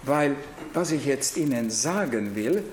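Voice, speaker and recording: A man with a Hungarian accent gives a reflective lecture, halting and searching for words, with frequent restarts. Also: mid-range voice, lively intonation, slight background noise. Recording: very echoey room.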